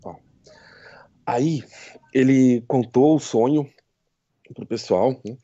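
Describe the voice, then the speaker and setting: Game master guy telling the story, dark husky voice, lo-fi stream sound. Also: mid-range voice, slow, no echo. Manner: casual storytelling with frequent tag questions and laughs. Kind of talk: narrating a tabletop game. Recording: dull lo-fi stream audio.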